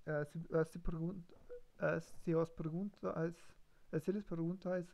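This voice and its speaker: A man's voice: fairly high pitch, fairly even intonation, measured pace, gravelly, a little mellow. A man practicing on a live stream, hesitant, full of fillers and self-corrections. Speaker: language learner streamer. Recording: dull lo-fi stream mic.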